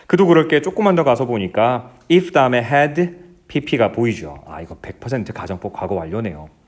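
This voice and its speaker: A man with vocal fry and very wide pitch swings. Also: medium pitch for a man, moderate pace, big swings in loudness. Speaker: high school English teacher. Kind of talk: lecture.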